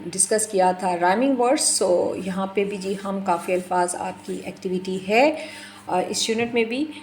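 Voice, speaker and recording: A woman recording a lesson for primary teachers, repeating each word slowly and mixing English with Urdu. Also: medium pitch, darkish tone, a little hiss or hum. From Pakistan. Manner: slow and deliberate, repeats words and mixes English with Urdu.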